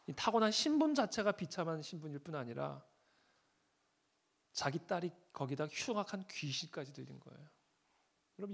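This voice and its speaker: Middle-aged male pastor, gravelly texture, swings between near-whispers and loud proclamations. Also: on the high side. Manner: swings from hushed asides to shouted scripture readings. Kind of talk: sermon.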